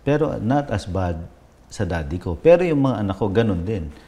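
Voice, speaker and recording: A man's voice: on the low side, very animated, moderate pace, warm tone. A man, a pastor telling his personal testimony in a reflective way, switching between Tagalog and English. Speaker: pastor, interview guest.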